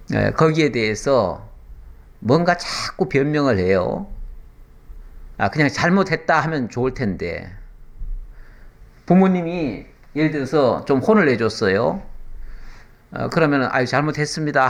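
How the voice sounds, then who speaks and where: A man's voice: medium pitch, creaky. A male pastor giving a conversational sermon, asking his listeners questions and acting out short quotes as he teaches.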